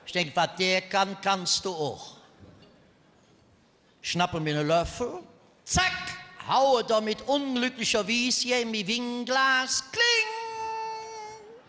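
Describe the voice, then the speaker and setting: Carnival comic, Cologne accent, sharp high voice, echoing hall with long reverb. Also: male voice, a little hiss or hum. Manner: tall-tale storytelling with quick punchlines. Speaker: carnival comedian. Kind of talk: carnival stage routine. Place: large carnival hall stage.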